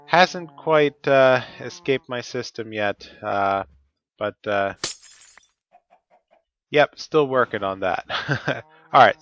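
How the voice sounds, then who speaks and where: A man's voice: mid-range voice, fairly bright tone, clear, resonant tone, no room sound, dull audio. A man with a stuffy, cold-affected voice, talking methodically through each step of his gameplay. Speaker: Let's Play host. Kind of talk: casual gameplay commentary.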